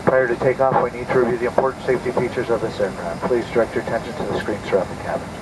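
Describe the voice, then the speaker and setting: A man's voice: mid-range voice, flat delivery, racing. A man working as a flight attendant gives a formal welcome announcement over the cabin public address. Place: inside an airliner cabin. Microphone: cabin public address heard from a seat. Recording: distant PA in very noisy aircraft cabin.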